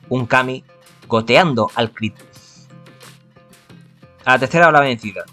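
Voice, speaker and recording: Speaking with a Spain Spanish accent, this man stumbles through a visual novel reading, frequently correcting himself and adding side comments. His pitch is medium and his tone sharp.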